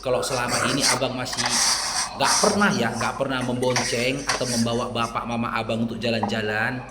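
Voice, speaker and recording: A man's voice: medium pitch, reverberant, very noisy. A man from Medan with a Medan Indonesian accent, a Muslim preacher and channel host giving a persuasive religious talk to a listener and acting out quoted dialogue as he tells stories. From Medan, North Sumatra. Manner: lively storyteller who acts out quoted dialogue.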